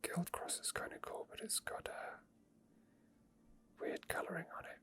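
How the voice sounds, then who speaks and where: Someone whispering asmr game commentary, real breathy and slow, just rambling along quietly. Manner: quiet, unhurried, unscripted rambling. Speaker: video game streamer making ASMR. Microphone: microphone tucked under a hoodie, close to the mouth.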